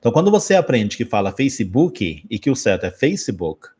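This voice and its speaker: A man's voice: medium pitch, slightly rough. A Brazilian man, an English teacher, talking through a casual spoken lesson with a Brazilian Portuguese accent, joking and correcting himself as he goes. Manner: lively, joking, quick asides and self-corrections.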